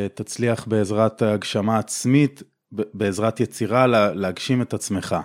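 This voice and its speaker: This is an unremarkable speaking voice with fairly even intonation, delivered at a fairly slow pace. The recording is very clean with a silent background and a dry, close sound with no echo. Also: man, fairly low pitch for a man. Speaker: podcaster. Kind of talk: casual chat.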